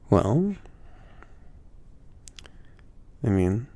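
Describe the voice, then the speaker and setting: Easygoing mage shopkeeper, male actor, ASMR roleplay: low, slow, hesitant half-whisper, softly teasing and bashful, breathy with some gravel. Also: sing-song, dry recording, heavily acted. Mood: accommodating. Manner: hesitant, rambling, gently teasing.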